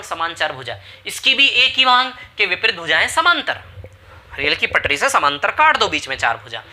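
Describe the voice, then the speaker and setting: A man's voice: sits high, sharp tone. A man teaching a maths lesson with a Hindi accent, repeating key phrases and checking that students follow. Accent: Indian Hindi. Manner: repetitive, emphatic, asks for understanding. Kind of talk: classroom lesson.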